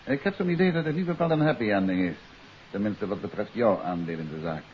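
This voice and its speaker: An actor playing a shrewd, authoritative detective in a 1950s radio drama, speaking in a probing, deliberate way. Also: male voice, fairly low pitch, lively intonation, lightly acted. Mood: stern, pressing. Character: shrewd, authoritative male amateur detective confronting a suspect. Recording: muffled 1950s radio recording with hiss.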